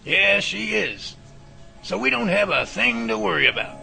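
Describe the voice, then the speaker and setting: Man as a gravelly, high-pitched professor. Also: very animated, normal speed, pushed and bright, soft background music, exaggerated voice, rough recording. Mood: reassuring. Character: earnest, guarded male professor researching Bigfoot. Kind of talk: radio drama acting. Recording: faint background noise.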